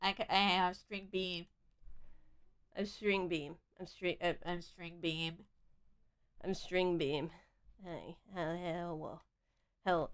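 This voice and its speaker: Using a put-on character voice, a woman speaks nasally at a fairly low pitch, very slowly and in a flat monotone, with long, frequent pauses. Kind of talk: casual live stream talk. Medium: role play.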